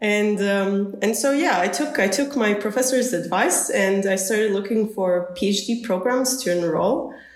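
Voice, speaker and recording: A woman in a Croatian accent speaks at a fairly slow pace with hardly any pauses, a medium pitch and ordinary pitch variation. Her loudness stays very even, with audible room echo and noticeable background noise. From Croatia (Zagreb). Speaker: neuroscientist, lab head. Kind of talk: interview.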